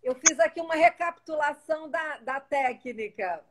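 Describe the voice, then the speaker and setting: A woman's voice: sits high, normal speed, rough recording. A woman parenting educator giving a live-streamed talk, patient and instructive, speaking directly to her viewers. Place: home in a city. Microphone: internet live stream.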